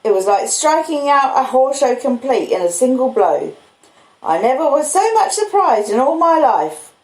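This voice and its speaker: A woman's voice: high-pitched, sing-song, normal speed, reverberant, voice pushed up, low-quality recording. A woman voicing a simple, kindly male blacksmith who tells things in an earnest, meandering way with rustic dialect. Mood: proud, amazed.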